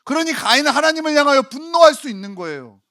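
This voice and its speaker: A man's voice: extremely high pitch, very animated, fast talker, pushed and bright. A male pastor preaching a sermon, acting out quoted complaints in a dramatic way and building up in intensity.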